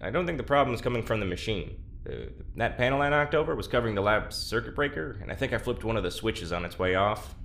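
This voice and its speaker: Audio drama prisoner, male actor: deep, creaky voice, awkward, apologetic, understated. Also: lively intonation, fast, few pauses, a bit bright, a little hiss or hum. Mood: wary, wry. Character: awkward, wry, hesitant male prisoner, handy with machines. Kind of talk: naturalistic audio drama acting.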